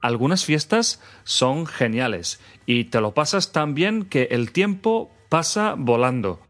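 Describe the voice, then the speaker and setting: Spanish-accented man hosting a podcast language segment, unhurried and clear; faint music bed. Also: on the high side, sing-song, a bit bright. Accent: Spain Spanish. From Spain. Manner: clear, measured delivery with phrase repetition. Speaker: co-host teaching Spanish phrases. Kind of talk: scripted podcast lesson segment.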